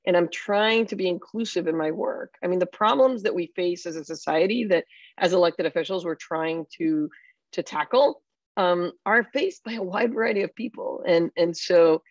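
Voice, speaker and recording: A woman's voice: on the low side, normal speed, no room sound. A woman in her fifties from Puerto Rico, an elected official, speaking candidly and reflectively on a panel over a video call. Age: 50s. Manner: candid, reflective, frequent "you know". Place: home room with bookshelves, indoors. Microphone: video call webcam. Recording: dull, dry webcam audio.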